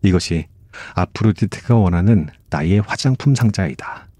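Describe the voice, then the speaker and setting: A regal goddess of the underworld , as a male storyteller reads her, speaks in a stately, cautioning way in a bedtime myth. The voice is dark and lowish, recorded close and dry. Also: dry recording. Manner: stately, commanding, archaic speech.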